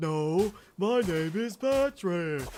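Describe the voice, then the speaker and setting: A man's high-pitched delivery comes in a put-on character voice. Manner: exaggerated, dim-witted.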